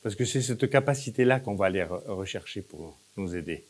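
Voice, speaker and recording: A man leading a hypnosis session, giving short, repetitive, coaxing instructions with pauses between phrases. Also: lowish voice, lively intonation, slightly rough. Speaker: hypnosis practitioner leading a demonstration.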